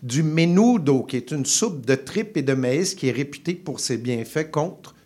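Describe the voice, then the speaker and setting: A man's voice: a little high, expressive, moderate pace, mellow. Chatty man on food radio. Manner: chatty, playful, many hesitations. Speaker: food columnist. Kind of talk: radio food chronicle, casual chat. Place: radio studio.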